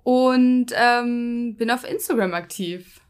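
A woman's voice: fairly high pitch, slow pace, clear, resonant tone. Hesitant young woman in her twenties. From Munich, Germany. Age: 20s. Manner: hesitant, many fillers and restarts. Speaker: podcast guest, fitness influencer. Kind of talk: casual podcast chat.

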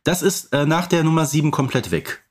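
A man's voice: fairly high pitch, expressive, fairly quick. A middle-aged man explaining things casually as a podcast co-host. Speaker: podcast co-host and expert collector.

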